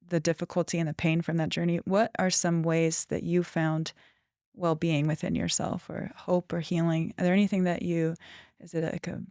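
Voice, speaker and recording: A woman hosting a podcast, asking gentle, rambling questions. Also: on the low side, no room sound, studio quality. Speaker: podcast host. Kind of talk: interview questions.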